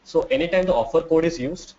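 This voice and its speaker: A man's voice: a little high, quick pace, warm tone, dull audio. A man answering webinar questions as an expert, explaining with examples and rhetorical questions. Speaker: marketing expert panelist.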